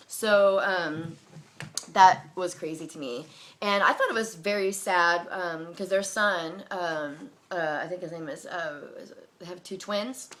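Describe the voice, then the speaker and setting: A young adult woman talking casually to her viewers, rambling with many fillers and breaking into animated impressions. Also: on the low side. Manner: rambling, filler-heavy, animated, mimics people with loud barking sounds. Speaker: vlogger. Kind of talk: casual talk to camera.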